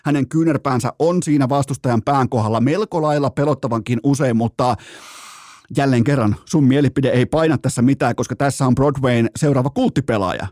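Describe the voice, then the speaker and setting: A man's voice: medium pitch, a little mellow, dry recording, studio quality. A man hosting a sports podcast, rambling through hockey news in a joking, casual way with mild swearing.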